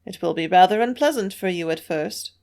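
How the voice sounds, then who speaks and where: A woman reading the part of a frail, ancient male Martian elder, speaking in a soft, high, quavering voice that stays calm and persuasive. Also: brisk. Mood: eager. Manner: soft-spoken, coolly persuasive. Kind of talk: audiobook character reading.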